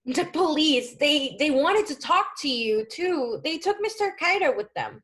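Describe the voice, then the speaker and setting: Woman playing a high-voiced manipulative femme fatale. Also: animated, measured pace, fairly bright tone. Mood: agitated. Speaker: voice actor. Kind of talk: 1940s film noir radio acting.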